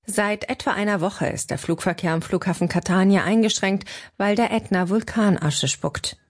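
A woman correspondent delivering a clear, formal news report. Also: medium pitch, normal speed.

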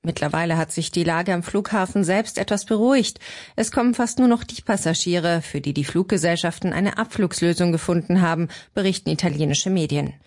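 A female news correspondent with a slightly low voice. She reports in a clear, formal style, steady and matter-of-fact. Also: fairly quick.

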